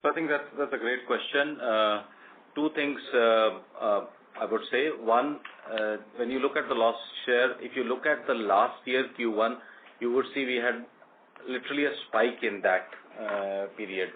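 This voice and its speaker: A man with an Indian accent answering questions as a company executive on an earnings conference call, explaining in a measured, halting way. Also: mid-range voice. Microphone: conference call line. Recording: tinny conference phone line with noise.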